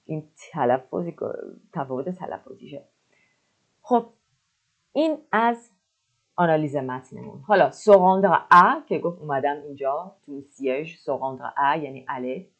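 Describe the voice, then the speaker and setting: A woman teaching French. She explains words in Persian and repeats French phrases slowly and carefully. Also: deep voice, darkish tone, muffled recording. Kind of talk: explaining a language lesson.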